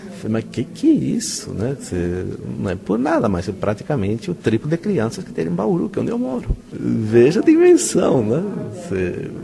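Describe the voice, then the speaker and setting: A man's voice: mid-range voice, wildly swooping pitch, normal speed, gravelly, dark tone. A middle-aged Brazilian man, a professor, answering interview questions in an enthusiastic, emphatic way with rhetorical questions. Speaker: university professor being interviewed. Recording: crowd chatter around the voice. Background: crowd chatter.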